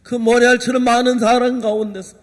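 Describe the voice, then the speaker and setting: A male pastor delivers an impassioned sermon, sliding between hushed asides and loud outbursts. His voice sits high for a man. A long reverb trails after every phrase in the large church hall. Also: little pitch movement, brisk. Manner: emotional storytelling, swings from hushed to loud.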